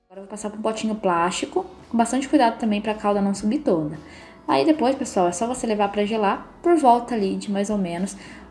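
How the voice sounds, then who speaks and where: With music in the background, a woman speaks at a very fast pace, her fairly high voice full of lively intonation. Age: 20s. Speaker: home cook, recipe YouTuber. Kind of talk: cooking tutorial voiceover. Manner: casual, friendly.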